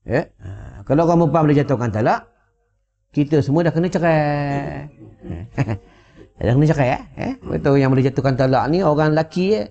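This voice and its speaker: This religious teacher's voice is fairly high, creaky, and warm, and he talks fairly fast. Preaching indoors at home, he mixes jokes into his sermon and keeps asking if everyone follows. A wireless lapel mic captures him with a dull, lo-fi quality.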